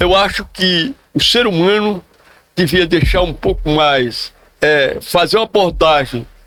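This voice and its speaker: A man speaks very slowly, his voice high-pitched with lively intonation. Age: 70s. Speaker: interview guest. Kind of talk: interview conversation. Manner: measured, reflective.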